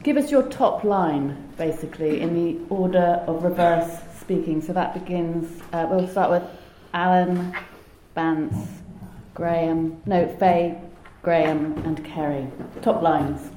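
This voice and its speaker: A woman moderating a panel, brisk and upbeat. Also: on the low side, mellow, reverberant, slight background noise, rough recording.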